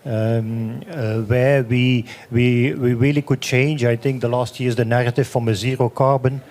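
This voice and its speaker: A man speaking as an industry panelist in a panel discussion, measured and stopping to restart. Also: medium pitch, steady tone, darkish tone.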